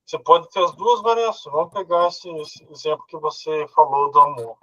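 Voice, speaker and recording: Brazilian man, slightly high bright voice, dry close sound, hesitant casual reasoning. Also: animated, normal speed, dry recording, lo-fi sound. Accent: Brazilian Portuguese. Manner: thinking aloud, hesitant with fillers and laughs. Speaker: philosophy study group participant. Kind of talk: casual discussion.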